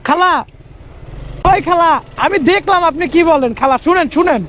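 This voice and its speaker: A man's voice: extremely high pitch, normal speed, fairly bright tone, lo-fi sound. A young man from Bangladesh in a street vlog, coaxing and pleading, repeating himself. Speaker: vlogger. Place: outdoors on a city street.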